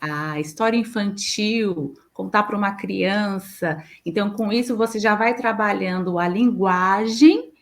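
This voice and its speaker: A woman's voice: mid-range voice, measured pace, few pauses. A middle-aged Brazilian woman, a speech therapist, explaining patiently in an interview and giving examples.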